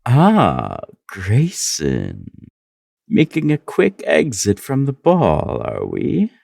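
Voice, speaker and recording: A man playing a scheming, manipulative royal advisor in a fantasy audio drama, with a sly, flattering, insinuating drawn-out delivery. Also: mid-range voice, vocal fry, dry recording, studio quality, exaggerated voice. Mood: mocking, smug.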